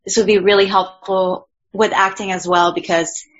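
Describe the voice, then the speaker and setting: A woman's voice: medium pitch, little pitch movement, normal speed. A woman from Cuba with a Cuban Spanish accent, a Spanish-speaking voiceover student introducing herself in an online class, earnest and a little hesitant. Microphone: video call. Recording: dull, lo-fi video call audio.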